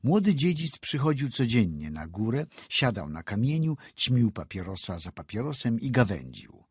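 A man narrates a classic novella with a measured, expressive delivery. His voice is husky and animated, with a wide swing in pitch. The recording is dry and close. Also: no room sound. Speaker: audiobook narrator.

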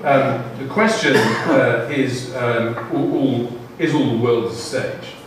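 A man giving a halting panel talk with many fillers and restarts, in a lecture room before an audience. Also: medium pitch. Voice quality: loud voice. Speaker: panel speaker. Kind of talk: halting public talk from notes. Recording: echoey room, far mic, faint noise.

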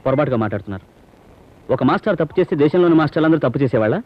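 A man's voice: on the high side, lively intonation, very fast, natural voice. A man playing a flustered, irritable widower. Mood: stern. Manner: irritable and impatient. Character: flustered widowed male teacher with a baby. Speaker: teacher. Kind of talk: dubbed film dialogue. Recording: dull lo-fi film soundtrack with loud noise.

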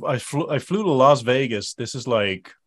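A man's voice: medium pitch, animated, moderate pace, fairly bright tone, no echo. A man hosts a casual interview from a home studio. His voice sits dry and close on a studio mic. He talks loosely, stumbling and restarting as he goes. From Netherlands. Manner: loose, hesitant, many likes and restarts. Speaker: podcast host. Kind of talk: casual video call interview. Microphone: studio mic on boom.

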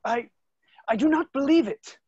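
A man's voice: very high voice, lively intonation, normal speed, darkish tone, no echo, muffled recording. A man in his thirties playing an earnest, jealous, skeptical young viscount in a dramatic play reading. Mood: disbelieving. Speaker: actor in a virtual staged reading. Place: indoor room, video call. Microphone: video call microphone.

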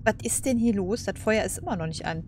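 A woman's voice: medium pitch, expressive, a little fast, a little mellow, a little hiss or hum. A woman giving casual, chatty let's play commentary, musing aloud as she plays. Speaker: gaming host.

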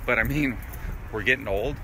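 A man's voice: medium pitch, moderate pace, pushed and bright, slight background noise, poor audio. A man in his thirties with an American accent, chatting casually to a camera as he vlogs. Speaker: vlogger. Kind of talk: casual vlog chat. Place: car, waterfront and streets outdoors. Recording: music behind the voice.

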